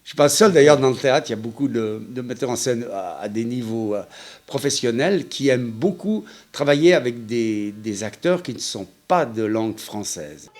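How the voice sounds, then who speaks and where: A man's voice: mid-range voice, expressive, moderate pace, a little mellow. A man who directs an amateur theatre group, speaking in interview about the actors in a thoughtful, appreciative way. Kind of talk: interview commentary.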